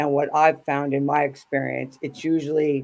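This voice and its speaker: The speaker has a New York accent. Delivery is moderate in pace, with monotone, flat intonation. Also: woman. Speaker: coach. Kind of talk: panel discussion.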